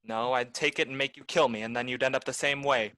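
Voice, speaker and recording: A man's voice: medium pitch, fairly even intonation, quick pace, pushed and bright, no echo, natural voice. A man playing a cool, shrewd private detective in a film noir radio play, with a clipped, tough delivery. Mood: wry, firm. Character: hard-boiled male private detective, cool, shrewd, commanding.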